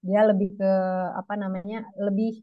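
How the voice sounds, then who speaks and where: A woman's voice: mid-range voice, flat delivery, a little fast, dry recording. Young woman guest chatting away, casual, lo-fi dry sound. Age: young adult. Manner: chatty, refers to herself by name, calls host "Bang". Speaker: interview guest. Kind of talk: casual interview chat.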